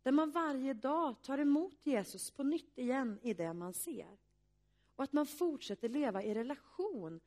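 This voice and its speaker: A woman pastor giving a sermon, speaking earnestly and reflectively with pauses. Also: fairly high pitch, a little mellow.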